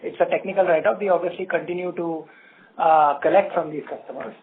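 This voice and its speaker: A man, a bank executive giving measured, numbers-focused answers on an earnings call. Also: a little high, fairly even intonation, phone-quality sound, slight background noise. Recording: telephone conference line.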